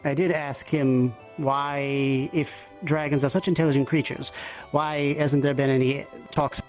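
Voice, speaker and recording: Male roleplayer, mid-range voice, courteous and tentative, talking in character over soft music. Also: medium pitch, level tone, unhurried. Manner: hesitant, polite, thoughtful phrasing. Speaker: roleplay player. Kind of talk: improvised in-character fantasy roleplay chat. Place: online virtual reality session.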